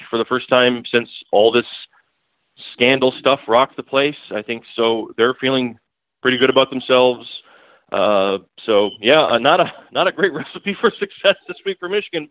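A man's voice: medium pitch, no echo. A man, a newspaper beat writer, talking as a podcast guest in a blunt, emphatic way that keeps hammering the same point. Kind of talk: casual podcast interview. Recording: tinny phone line.

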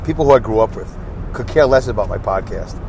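A man's voice: mid-range voice, lively intonation, fast. A stuffy-nosed man hosting his own podcast, chatting casually and self-deprecatingly while driving in traffic. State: congested, stuffy nose. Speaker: podcast host. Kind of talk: solo rambling podcast monologue.

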